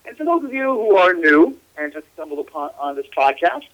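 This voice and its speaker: A man's voice: on the high side, sing-song, a little fast, a bit bright. A man hosting a casual podcast in a hypey, loose way, often stumbling and restarting. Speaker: podcast host. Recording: dull lo-fi sound.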